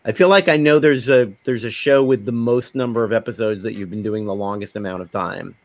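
A man's voice: fairly low pitch, a little fast, dry recording. Discursive man on a dry, close recording. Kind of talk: casual podcast conversation.

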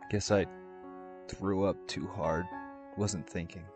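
A man's voice: low-pitched, steady tone, slow pace. An actor playing a queasy young man who mumbles sheepishly in an audio drama. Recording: music bed under voice.

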